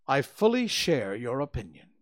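A man reading aloud, voicing a calm, shrewd male detective who asks precise questions. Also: mid-range voice, moderate pace, voice pushed up. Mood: probing.

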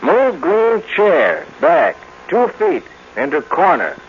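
A skeptical, easygoing American boyfriend in a 1950s radio play. His fairly high voice moves around a lot and has a grumbling, everyday manner. The recording is dull and noisy. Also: huge pitch swings, slow, exaggerated voice. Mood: skeptical, amazed. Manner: colloquial, grumbling, incredulous. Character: skeptical, easygoing boyfriend giving a robot orders. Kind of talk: 1950s radio drama acting.

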